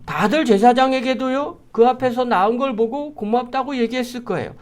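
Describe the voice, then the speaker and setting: An earnest pastor preaching at an early-morning service, at a middle pitch with no marked highs or lows. The delivery keeps turning to the listeners with one rhetorical question after another. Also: a little fast. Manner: earnest, asks the congregation many rhetorical questions.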